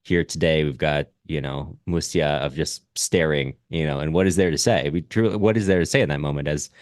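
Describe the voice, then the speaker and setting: A man co-hosting a reflective literary discussion, speaking in a halting, thoughtful way as he searches for his words. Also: extremely low pitch, dry recording, studio quality. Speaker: podcast co-host.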